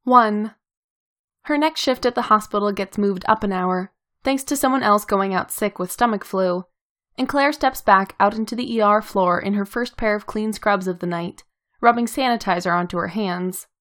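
Woman calmly reading a story. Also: medium pitch, moderate pace. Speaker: reader. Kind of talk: fan fiction read aloud.

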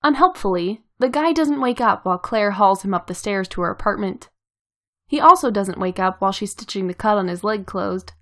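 A woman calmly reading fan fiction aloud in an even narrating voice. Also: mid-range voice. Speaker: reader.

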